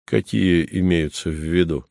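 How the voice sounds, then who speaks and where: A man's voice: deep voice, steady tone, normal speed, creaky, darkish tone, no echo. A man reading the part of a patient, matter-of-fact base commander with a dry irony, in an audiobook.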